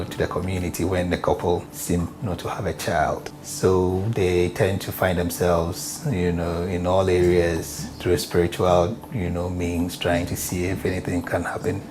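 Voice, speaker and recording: Deep-voiced man, easygoing. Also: low-quality recording. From Ghana. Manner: relaxed, peppered with "you know". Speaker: biomedical scientist. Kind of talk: interview testimony.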